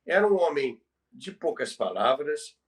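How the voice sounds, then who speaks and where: Older Brazilian man, higher-pitched, slightly distant. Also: big pitch swings, measured pace. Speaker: podcast host. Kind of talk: reminiscing talk on radio history. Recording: somewhat distant from the mic.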